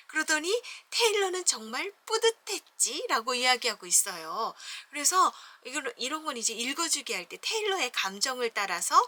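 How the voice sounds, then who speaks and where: A woman teacher walking through a picture book and showing other teachers how to read it aloud with feeling. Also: on the high side. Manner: expressive, acts out the story.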